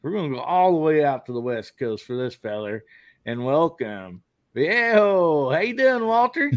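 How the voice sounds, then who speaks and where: A man hosting a live podcast, folksy and quick to laugh. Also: a little high, big pitch swings, no room sound. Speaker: podcast host.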